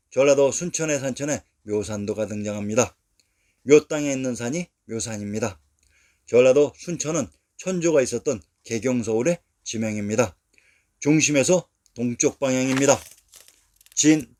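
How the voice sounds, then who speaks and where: A man narrating a scripted history lecture, reading out place names and old sources in a steady, measured way. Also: mid-range voice.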